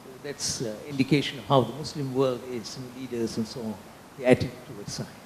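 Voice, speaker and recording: A man's voice: medium pitch, fairly even intonation, quick pace, darkish tone, slight background noise. A man on a panel explaining a point and trailing off at the end. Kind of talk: panel discussion. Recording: echoey hall, faint ambience.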